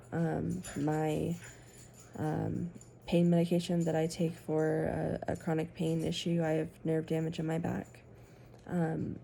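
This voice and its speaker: Woman, personal testimony, halting and measured, mellow tone, faint hiss behind. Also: sits low, vocal fry. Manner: halting, measured storytelling with frequent pauses. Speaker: survivor sharing her story.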